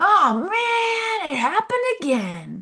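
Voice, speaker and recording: The delivery is a fairly slow one. It comes in a put-on character voice. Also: woman, extremely high pitch for a woman. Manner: over the top, exaggerated.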